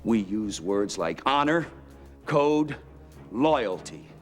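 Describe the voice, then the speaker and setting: An actor playing a commanding, scornful Marine colonel on the stand in a film courtroom drama, with a forceful, hammering delivery. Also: male voice, lowish voice, sing-song, slow, faint music behind.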